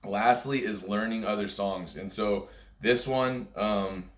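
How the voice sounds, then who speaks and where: Male music tutor, deep voice, informal rambling explanations, roomy echo. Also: slow. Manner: informal, rambling, repeats points. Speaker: music teacher. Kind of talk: casual instructional talk to camera. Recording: echoey room sound.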